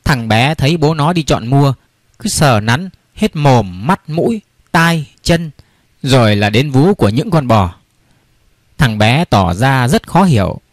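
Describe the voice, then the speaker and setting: A man's voice: medium pitch, lively intonation, measured pace, dry recording. A man reading short comic stories aloud, raising his voice for the characters in them. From Vietnam. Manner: puts on raised voices for characters in the jokes. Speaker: joke teller.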